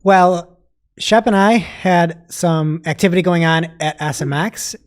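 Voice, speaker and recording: A man co-hosting a podcast, telling a story in casual, animated chat. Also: on the high side, a little slow. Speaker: co-host.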